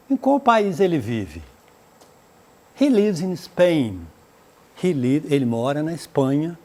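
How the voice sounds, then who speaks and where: A man with a Brazilian Portuguese accent teaching a school English lesson, reading English examples slowly and translating them, with frequent fillers. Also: fairly high pitch, darkish tone. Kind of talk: recorded remote school lesson.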